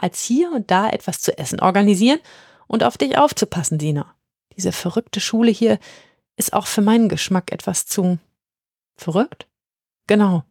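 A woman voicing an eccentric female Christmas witch who speaks in exaggerated courtly phrases with high, squeaky swoops. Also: a little mellow, husky, no echo, clean studio sound.

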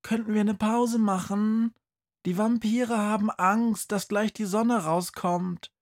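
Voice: mid-range voice, steady tone, slow, pitched above the performer's own voice. Narrator doing a worried pale schoolgirl.

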